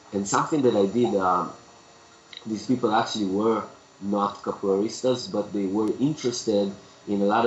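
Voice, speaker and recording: Through noticeable background noise, a man speaks at a fairly quick pace and fairly low pitch in a monotone, flat intonation. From Israel, Tel Aviv. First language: Hebrew. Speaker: capoeira and hand balancing instructor. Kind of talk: casual interview. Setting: video call.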